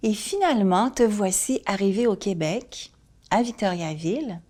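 A woman, interviewing a guest and gently prompting her with short questions. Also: medium pitch, expressive, moderate pace. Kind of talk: conversational interview.

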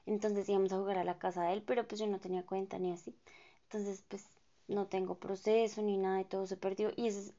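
A woman's voice: mid-range voice, warm tone. A young woman in her twenties with a Colombian accent, rambling through a casual, self-deprecating solo podcast full of slang. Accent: Colombian Spanish. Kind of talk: casual chatty monologue. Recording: dull lo-fi sound.

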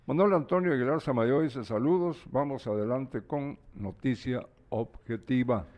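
A man's voice: mid-range voice, moderate pace, a little mellow, lo-fi sound. Hesitant Salvadoran-born man reading messages. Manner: hesitant, many fillers. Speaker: news show co-host. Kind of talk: casual reading of viewer messages.

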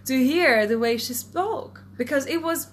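A woman who learned English as a second language talks as a podcast guest. She gives advice in a lively, chatty way. A faint noise floor runs under her voice. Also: high voice, a little slow. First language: not English. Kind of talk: casual podcast chat.

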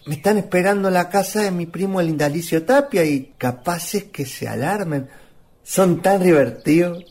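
An actor playing a courteous, smitten country man in a radio play, with a Chilean accent and a husky voice. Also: high voice, moderate pace. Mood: polite, warm. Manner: polite, playful, animated.

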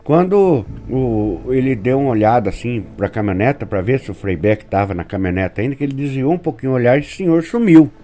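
A man's voice: mid-range voice, quick pace, few pauses, mellow, slight background noise. A man hosting and narrating a spooky tale in a conversational way, often turning to the listener. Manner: conversational, asks listener "sabe?". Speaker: host and storyteller.

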